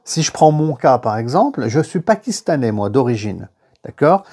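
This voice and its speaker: A French-born man giving an animated religious lesson, telling anecdotes and repeating phrases for emphasis. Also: medium pitch, moderate pace. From France. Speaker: religious teacher. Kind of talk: lively lecture on faith and history.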